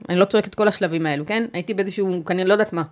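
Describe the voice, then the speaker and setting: A woman, a guest on an interview podcast, recounting a personal ordeal in a measured, halting way, pausing and restarting as she goes. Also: mid-range voice.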